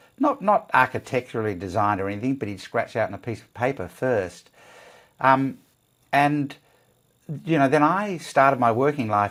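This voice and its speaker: In an Australian accent, a man speaks at a moderate pace with a medium pitch. His intonation is lively, and his loudness swings widely. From Western Australia, rural country towns. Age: 60s. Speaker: business consultant. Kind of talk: interview.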